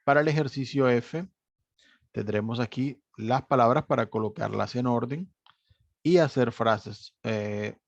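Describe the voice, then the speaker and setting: Man, steady explanatory teacher, dry muffled recording. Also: mid-range voice, unhurried, gravelly, no echo. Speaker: English teacher. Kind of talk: online class walkthrough. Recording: dry, slightly dull recording.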